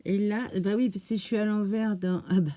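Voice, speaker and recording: A woman hosting a craft channel, gushing with oohs and exclamations as she slowly unpacks crafts in casual chat. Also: mid-range voice, steady tone, warm tone. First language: French. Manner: slow, thinking aloud as she unpacks.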